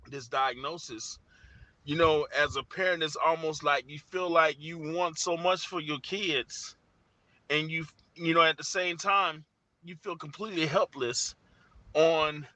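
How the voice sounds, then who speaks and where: A man in his forties, a father speaking as an interview guest, earnest and searching, often pausing on "you know" and restarting his sentences. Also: fairly high pitch, pushed and bright, no room sound. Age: 40s. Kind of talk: reflective conversational interview.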